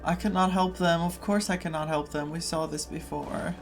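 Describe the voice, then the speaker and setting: A man's voice: fairly high pitch, fairly even intonation, normal speed, vocal fry, soft background music. A man doing casual gameplay reaction commentary, muttering to himself and to the game as he plays. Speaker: game streamer.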